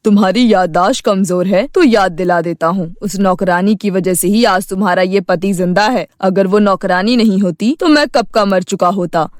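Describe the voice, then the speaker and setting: A man's voice: high-pitched, moderate pace, few pauses, no echo, clean studio sound, lightly acted. A man voicing a kind, grateful family man in a children's cartoon story, earnest and reassuring. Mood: firm. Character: kind, grateful husband and father, firm.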